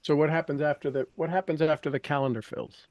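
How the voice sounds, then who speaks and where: A man's voice: fairly high pitch, steady tone, quick pace, darkish tone, no room sound. Blunt, folksy man coaching, very dry sound. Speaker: coach leading a class. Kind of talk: informal coaching talk mixed with reading aloud from a book.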